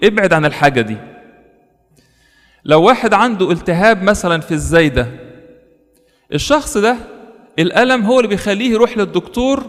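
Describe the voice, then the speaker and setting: A man's voice: high voice, expressive, fast talker, pauses often, a bit bright, long reverb tail. A man with an Egyptian Arabic accent preaching a sermon. He tells stories and asks his listeners rhetorical questions.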